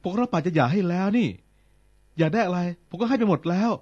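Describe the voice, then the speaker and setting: Casting: scornful, scolding husband for TV lakorn, high male voice, husky. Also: fast, a little mellow, muffled recording. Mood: weary, exasperated. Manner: sarcastic, scolding. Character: exasperated, scornful husband quarrelling with his wife. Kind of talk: Thai lakorn melodrama acting.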